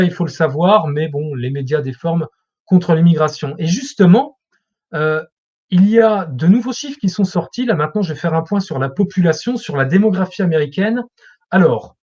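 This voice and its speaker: A man's voice: a little high, a little mellow, dull audio. A man speaking as a guest expert in an interview, explaining things in a lecturing way as if to students.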